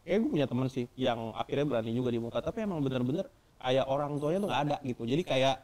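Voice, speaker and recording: A man's voice: mid-range voice, lively intonation, fast talker, a little mellow. A man hosting a podcast, asking curious, probing questions in chatty Jakarta slang. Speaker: podcast host. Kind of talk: casual interview questions.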